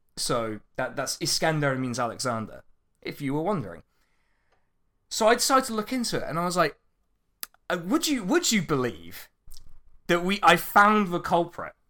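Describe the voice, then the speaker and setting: A man speaks with a southern English accent, his voice high-pitched and bright and sharp in tone, with very wide pitch swings. He pauses long and often on a very clean recording with a silent background. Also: moderate pace. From England, Reading. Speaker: history podcast co-host. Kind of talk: casual chat. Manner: animated.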